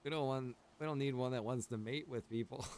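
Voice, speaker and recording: A man livestreams a survival roleplay game, talking casually with frequent laughter and easygoing jokes. He speaks fairly quickly in a medium pitch with a darkish tone, and a little hiss or hum can be heard.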